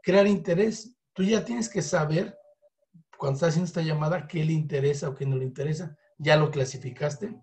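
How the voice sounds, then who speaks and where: A Mexican-accented man with a high-pitched voice runs a motivational sales training session. His coaching manner keeps breaking into quick acted-out sample calls to show how a conversation should go. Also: a little mellow.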